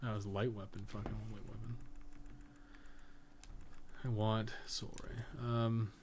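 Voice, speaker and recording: Against a noisy background, a podcast co-host plays a game on a live stream, speaking slowly and flatly in a fairly low voice. His commentary is casual and rambling, sprinkled with swearing and muttered asides to himself.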